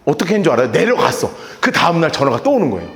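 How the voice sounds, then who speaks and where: A man's voice: fairly high pitch, racing, creaky. A man preaching a Bible-study sermon who keeps questioning his congregation and joking with them. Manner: asks the congregation frequent call-and-response questions; animated and joking. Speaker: pastor. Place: church sanctuary. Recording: echoey church hall reverb.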